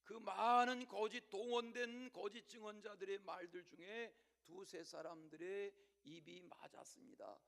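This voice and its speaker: Male pastor, high gravelly voice, dramatic sermon delivery that swings from loud to whispered. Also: fairly even intonation, measured pace, few pauses. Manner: direct repeated appeals to the congregation. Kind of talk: Sunday sermon. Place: church service.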